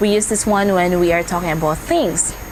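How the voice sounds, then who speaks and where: A woman speaks over noticeable background noise. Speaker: online English teacher and vlogger. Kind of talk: casual vlog talk.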